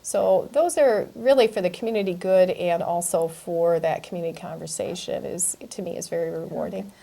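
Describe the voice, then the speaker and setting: A woman answers as an interview guest. Her voice sits a little low, and she speaks earnestly, feeling her way through each unscripted answer in a halting manner. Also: creaky, warm tone. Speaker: newspaper publisher being interviewed.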